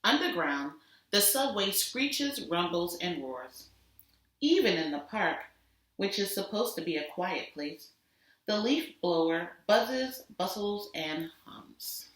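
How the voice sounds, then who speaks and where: A woman teacher giving an expressive storybook read-aloud for children, deliberate and with dramatic emphasis. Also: medium pitch. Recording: roomy echo, distant microphone.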